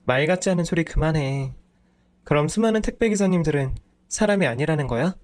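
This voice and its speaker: A man's voice: on the high side, normal speed, close to an everyday voice. A man voicing an exasperated wife who nags her husband sharply, in a storybook reading. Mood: scolding. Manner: scolding, sharp-tongued. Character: exasperated nagging wife, woman in her thirties.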